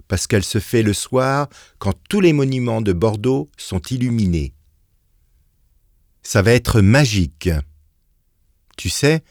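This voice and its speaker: A man's voice: mid-range voice, dry recording, studio quality, natural voice. An actor playing a young man who leaves an eager voicemail message for a friend, in a scripted exam recording. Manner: eager, lively, clearly paced scripted delivery. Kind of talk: scripted listening-exam dialogue.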